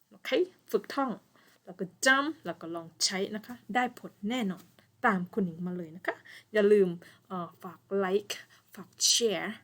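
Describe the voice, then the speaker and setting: A woman with a Thai accent teaching English pronunciation in a casual online lesson, saying English words slowly and loudly and chatting quickly in Thai between them. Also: mid-range voice.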